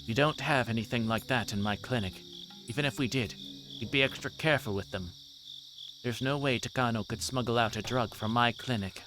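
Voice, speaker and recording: A man's voice: mid-range voice, a little fast, background noise, close to an everyday voice. A man voicing an earnest, defensive clinic doctor in a visual novel.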